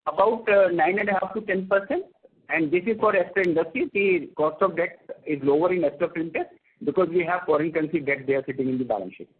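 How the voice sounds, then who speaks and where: Husky Indian man on a phone line. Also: a little high, fast. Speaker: company finance executive. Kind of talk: answering analyst questions on an earnings call. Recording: tinny narrowband conference phone line.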